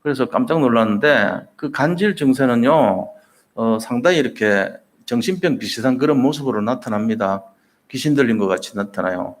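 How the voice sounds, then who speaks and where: A man's voice: mid-range voice, expressive, moderate pace. A man preaching a Sunday sermon as pastor, telling the story vividly and acting out the voices in quotes.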